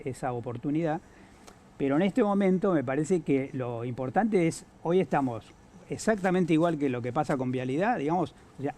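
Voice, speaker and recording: A man with an Argentine accent, giving analysis on a political talk show, halting with many fillers and restarts. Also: fairly high pitch, dark tone, slight background noise. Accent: Argentine Spanish. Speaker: guest analyst.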